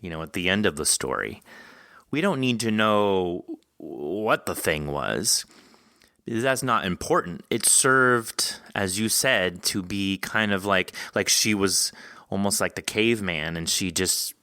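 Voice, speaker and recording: A man with a fairly low, forward and bright voice, recorded close and very dry. He speaks as a podcast host in conversation, feeling his way through long, halting questions. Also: expressive, no echo. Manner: halting, thinking aloud, rambling questions. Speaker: podcast host interviewing an author. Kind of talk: conversational interview.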